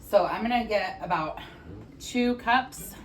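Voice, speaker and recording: A woman's voice: mid-range voice, slow, noisy background. A woman in her forties hosting a cooking vlog, chatting candidly and casually to the camera in a conversational way. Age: 40s.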